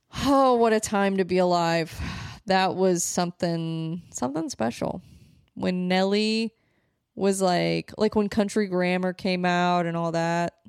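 An unremarkable speaking voice from a woman with an American accent, medium pitch, ordinary pitch variation and a fairly slow pace. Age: 20s. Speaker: fitness podcaster. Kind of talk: casual solo chat. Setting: home recording with microphone. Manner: casual, filler-heavy.

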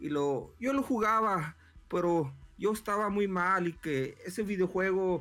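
A man talks with a Mexican accent and ordinary pitch variation. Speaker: podcast co-host. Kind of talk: casual chat.

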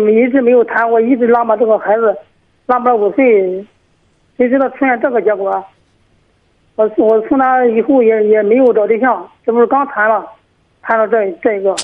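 A man speaks at an extremely high pitch with fairly even intonation. Long, frequent pauses break up his speech. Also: very even loudness. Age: 30s. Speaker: caller seeking relationship advice. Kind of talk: phone-in advice call. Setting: phone call. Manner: halting; quiet.

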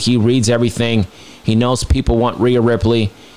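A man's delivery moves at a moderate speed. Behind him, background noise is noticeable. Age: 20s. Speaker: wrestling podcast host. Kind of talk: solo podcast commentary. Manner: casual, filler-heavy.

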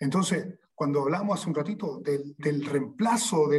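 A man speaks at a moderate pace. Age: 50s. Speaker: business consultant. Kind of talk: interview. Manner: halting, with frequent repetitions.

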